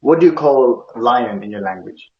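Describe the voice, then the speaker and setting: A man's voice: mid-range voice, expressive, moderate pace, darkish tone. A man from Kenya with an East African accent hosting a casual word-by-word language chat, asking questions and repeating words back. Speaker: host comparing vocabulary with a guest. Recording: echoey room, slightly dull lo-fi sound.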